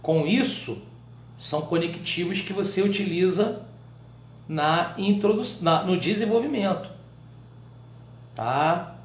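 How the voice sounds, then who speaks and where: A Brazilian man teaching a live writing class in a colloquial, animated way, often checking in with his students through short questions. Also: high voice, slow pace, long pauses, echoey room, a little hiss or hum. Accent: Brazilian Portuguese.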